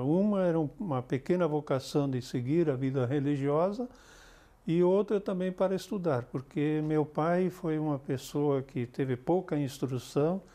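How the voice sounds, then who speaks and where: An older man with a southern Brazilian accent, recollecting in a measured, explanatory, conversational way as an interview guest. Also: on the high side, warm tone. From Santa Catarina, southern Brazil. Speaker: interview guest, retired army colonel.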